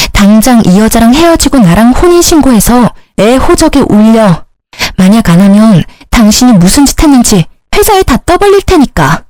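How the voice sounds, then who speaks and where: A woman's voice: a little high, no echo. A woman voicing a furious bitter mistress. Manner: shouting, accusing, sharp. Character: furious young mistress, single mother, bitter.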